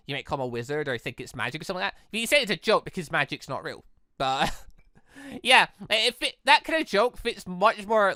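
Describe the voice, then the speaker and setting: A bright, forceful let's-play host with a very lively, swooping delivery. The commentary rambles excitedly between stretches of reading aloud, and the sound is close and dry. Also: medium pitch, no room sound. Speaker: host playing and reading a visual novel.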